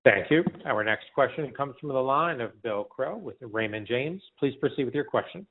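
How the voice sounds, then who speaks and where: A male operator of medium pitch makes formal, scripted announcements on a conference call. He is heard through a narrow telephone line. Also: expressive, normal speed.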